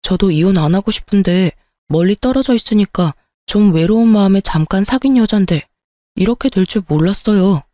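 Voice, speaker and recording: A woman's voice: mid-range voice, animated, moderate pace, warm tone, no echo, close to an everyday voice. Brief: woman voicing a self-justifying cheating husband, begging, dry close voice. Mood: defensive. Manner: pleading, defensive.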